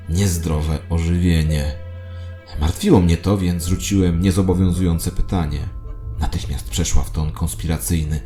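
A man's voice: sits low, dark tone. A man narrating a scripted first-person audio drama as a storyteller.

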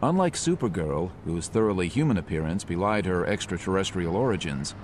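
A man narrating a motion comic in a measured, descriptive manner. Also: low voice, lively intonation, slight background noise. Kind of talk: scripted narration. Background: music.

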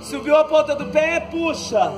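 High-voiced Brazilian man coaching stretches. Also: unhurried. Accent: Brazilian Portuguese. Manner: calm step-by-step breathing cues, light joking. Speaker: fitness instructor. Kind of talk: guiding an outdoor stretching class. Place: outdoor court, large open space. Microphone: far camera on the ground. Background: background music.

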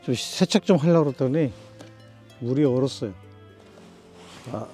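A man chatting casually to viewers as a camping vlogger, talking things through in an unhurried, thinking-aloud way. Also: mid-range voice, dark tone, faint music behind. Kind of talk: casual vlog chat.

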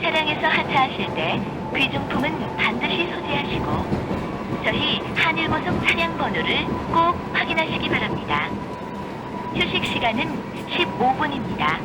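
A woman's voice: sits high, animated, moderate pace, very noisy. A woman reading a scripted passenger announcement for a bus in a formal, courteous manner. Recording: pre-recorded bus announcement with background music. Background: music.

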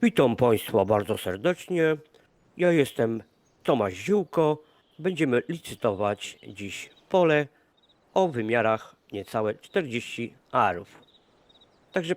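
A man voicing a formal male land auctioneer who announces bids slowly and politely. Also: mid-range voice, no echo.

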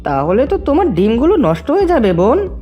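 Woman voicing a sly, wheedling cartoon fox, swooping pitch. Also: wildly swooping pitch, fairly quick, lo-fi sound, soft background music. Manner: wheedling, falsely sympathetic. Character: sly, scheming fox feigning sweet concern to trick a bird. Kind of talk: children's cartoon voice acting.

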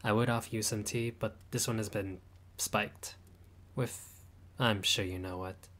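Unhurried and steady in tone, this man's low voice has a fairly bright color. Playing a relaxed, friendly vampire host for a roleplay audio, he's wry and full of dry teasing, at times turning grandly theatrical.

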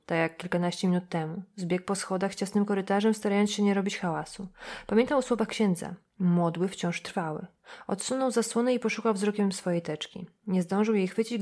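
Kobieta lektorka czytająca powieść kryminalną do audiobooka. Czyta spokojnie i równo, z wyraźną, wyważoną narracją. Głos o średniej wysokości. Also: female voice, medium pitch. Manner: measured, even reading. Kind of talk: scripted novel narration.

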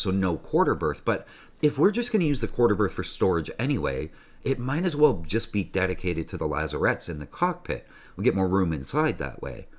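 A man in his forties hosting a sailing channel, talking casually and enthusiastically to a desk camera in a small room. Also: sits low. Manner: enthusiastic, joking, conversational. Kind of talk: casual video presentation.

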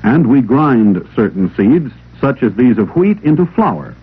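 Male narrator for vintage classroom science film: medium pitch, expressive rise and fall, didactic read, thin phone-like 16mm sound. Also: measured pace, breathy edge. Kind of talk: scripted instructional narration, 1950s classroom film. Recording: old 16mm film soundtrack, narrow telephone-like band.

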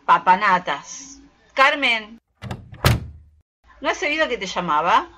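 A woman's voice: medium pitch, sing-song, slow pace, bright, forceful tone, full character voice. A woman acting a domineering, scolding Argentine mother in an amateur radio play. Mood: curt, bossy. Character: domineering scolding mother, middle-aged widow, melodramatic.

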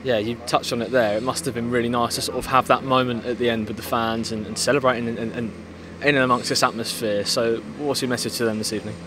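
A man interviewing a football coach outdoors on a pitch at night, asking brisk, friendly questions. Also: steady tone. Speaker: club media interviewer. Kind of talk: post-match interview questions. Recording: outdoor with clear background noise.

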